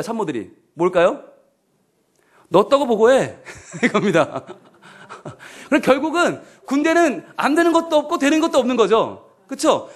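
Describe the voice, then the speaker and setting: A male pastor giving a sermon at a midweek church service, animated and humorous, often asking the congregation questions. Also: very high voice.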